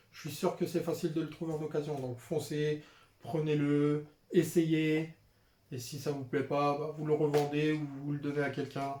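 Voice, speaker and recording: A young man with a rather high, dark-toned voice vlogs about his manga purchases, chatting casually and hesitating often with lots of "euh" and "voilà." It's unscripted talk recorded in a roomy, echoey space.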